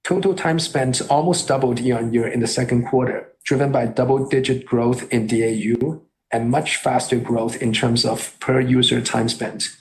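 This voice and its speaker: A man reading a scripted earnings call presentation as a company executive, in a formal and measured way. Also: mid-range voice, steady tone, low-quality recording.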